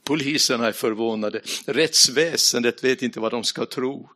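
A man preaching a sermon, telling a personal testimony and speaking to the congregation directly, dropping to a hush at tense moments and laughing lightly now and then. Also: mid-range voice. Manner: storytelling, addresses the audience directly; speaks in a hushed voice at dramatic moments.

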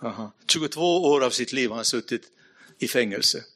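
A man preaching a sermon, telling a personal testimony and speaking to the congregation directly, dropping to a hush at tense moments and laughing lightly now and then. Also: medium pitch, animated, breathy edge. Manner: storytelling, addresses the audience directly; speaks in a hushed voice at dramatic moments.

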